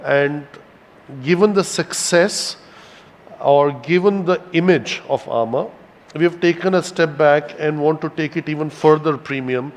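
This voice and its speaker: A man giving a corporate investor presentation as a company executive, speaking in a measured, halting way with emphatic stretched words. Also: a little high. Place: hotel event hall with audience present. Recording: reverberant hall sound.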